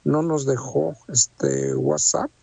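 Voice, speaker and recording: A man's voice: mid-range voice, huge pitch swings, takes it slowly, gravelly, mellow, breathy edge, no echo. A man hosting a live Christian radio show, greeting listeners with church phrases and frequent fillers. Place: radio studio booth. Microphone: studio microphone, talking over a phone line.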